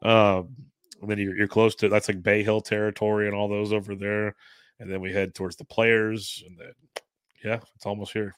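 A man's voice: fairly low pitch, flat delivery, moderate pace, clear, resonant tone, no echo. A man co-hosting a casual sports podcast, talking loosely while sick. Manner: loose, rambling, chuckles often. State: sick, under the weather. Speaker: podcast co-host. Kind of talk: casual sports betting chat.

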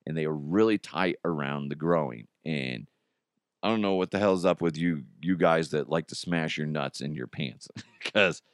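A man's voice: very deep voice, normal speed, no room sound, studio quality. A man hosting a podcast in casual, rambling talk, his voice a little strained. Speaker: podcast and radio host.

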